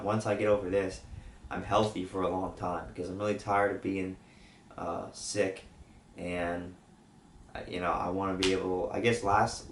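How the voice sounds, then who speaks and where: A man's voice: deep voice, slight background noise. A young man from with a weak, sore-throated voice, rambling casually with fillers as he updates his channel. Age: young adult. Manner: rambling, with many fillers and restarts. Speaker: YouTube channel host. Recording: roomy, distant from the mic.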